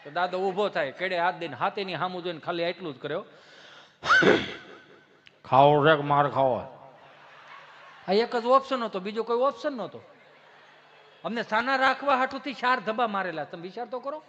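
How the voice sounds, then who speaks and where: A man performing folk stand-up comedy, telling animated stories and acting out the people in them. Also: high-pitched, fast talker, in a large hall, dull audio, noisy background. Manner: animated, acts out city guests and villagers in put-on voices. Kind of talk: Gujarati folk stand-up storytelling.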